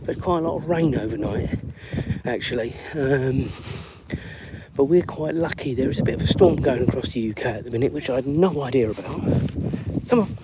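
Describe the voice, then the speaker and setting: A man in his forties from the London area with an English accent and a raspy voice, hosting a live chat while walking his dog outdoors and breaking off to call her along. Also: mid-range voice, fairly quick. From England. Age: 40s. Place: outdoors on a windy street. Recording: windy outdoor phone recording. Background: wind noise.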